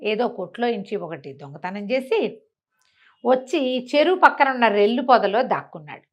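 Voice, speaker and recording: Woman w telling an old village story, high pitched, chatty n animated. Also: normal speed. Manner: animated retelling, acting out characters' remarks, explaining asides to a co-host. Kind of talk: conversational oral storytelling of a village folk tale.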